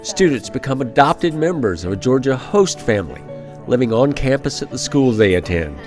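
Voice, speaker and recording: A man giving scripted narration for a promotional video in a measured, formal way. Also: mid-range voice, big pitch swings. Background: music.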